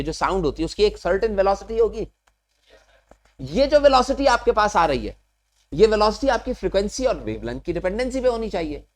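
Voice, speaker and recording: A man teaching physics to a class, explaining step by step and often stopping to ask the students questions. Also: high voice. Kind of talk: classroom lecture.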